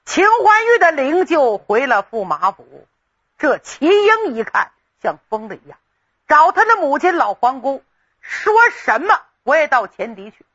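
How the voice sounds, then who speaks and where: Woman storyteller, traditional tale, dramatic, fairly high pitch, wide swings. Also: a little slow, no room sound. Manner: dramatic, animated delivery. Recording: muffled lo-fi recording.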